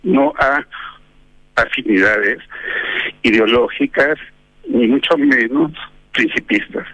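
A man's voice: mid-range voice, animated, slow pace, pushed and bright, dry recording, rough recording. A man giving political commentary as a guest in a radio interview, arguing emphatically with ironic asides.

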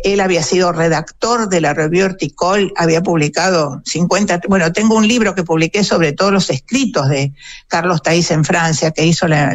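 A woman with an Argentine Rioplatense accent, a guest historian and author, explaining eagerly and chattily with plenty of fillers. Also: on the low side. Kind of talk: conversational interview.

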